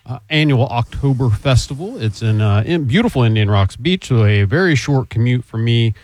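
A man's voice: mid-range voice, animated, normal speed, a little mellow, dry recording. A man hosting a radio call-in show, easygoing and teasing with his cohosts. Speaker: radio show host, attorney. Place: radio studio.

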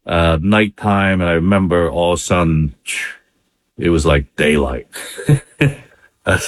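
A man's voice: low-pitched, fairly even intonation, a little slow, no room sound, studio quality. A man from Vietnam telling his life story in a casual interview, talking in a loose, conversational way with many fillers. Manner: conversational, many fillers, chuckles now and then. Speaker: interview guest, business owner.

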